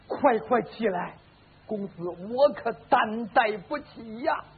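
A man's voice: extremely high pitch, expressive, slow pace, breathy edge, full character voice. A man doing a humble old steward. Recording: lo-fi phone-like band with faint hiss.

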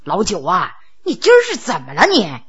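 A woman's voice: mid-range voice, huge pitch swings, moderate pace, lo-fi sound, a crowd in the background, voice pushed down. A woman doing a stern, stammering Qing prince. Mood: flustered. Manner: commanding, then flustered and stammering. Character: Qing prince, middle-aged man, stern official turned bewildered.

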